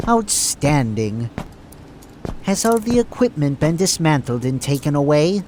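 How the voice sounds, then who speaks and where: Audio drama villain played by a woman: male crime boss, smug and courteous, lowish register, unhurried menace. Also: lively intonation, warm tone, slight background noise. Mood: pleased, commanding. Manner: mock-polite, gloating, theatrical.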